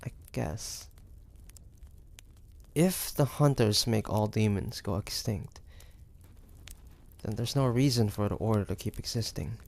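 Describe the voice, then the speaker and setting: A man voicing a wary, stubborn demon hunter from the 1850s in a dramatic audio roleplay, with halting, pointed delivery. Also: on the low side, gravelly, a little mellow. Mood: reluctantly reasoning. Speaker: voice actor.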